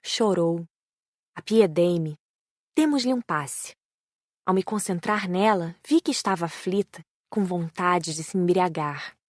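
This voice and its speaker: A Brazilian-accented woman reading scripted audiobook narration in measured, clearly phrased sentences. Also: on the low side, no room sound, studio quality.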